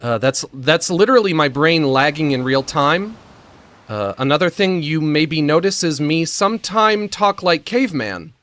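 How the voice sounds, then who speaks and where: Male streamer, squeaky and breathless; slurred, lisping delivery with stammers, slow self-mocking pace. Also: expressive, fairly bright tone, no room sound. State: short of breath, gasping before sentences. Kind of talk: prerecorded monologue.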